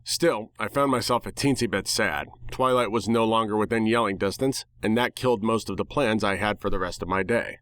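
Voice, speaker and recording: A man's voice: on the low side, brisk, few pauses, dry recording. Sardonic man narrating a story, dry sound. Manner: sardonic, expressive. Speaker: fan fiction narrator. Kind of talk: dramatic first-person story narration.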